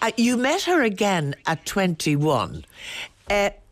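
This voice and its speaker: A woman with an Irish accent speaks at a medium pitch with very wide pitch swings. The recording is very clean, with a silent background. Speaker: radio host. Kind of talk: radio interview.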